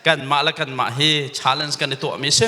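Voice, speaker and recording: A man's voice: on the high side, little pitch movement, fairly quick, sharp tone, long reverb tail. A male pastor preaching a sermon, mixing English words into his speech. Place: church sanctuary.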